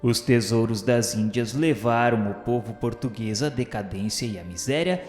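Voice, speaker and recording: A man with a Brazilian accent reading a solemn radio drama narration in a measured, grandiloquent way. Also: medium pitch, a little mellow. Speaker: narrator of a religious radio novela. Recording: reverberant hall echo, music underneath. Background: background music.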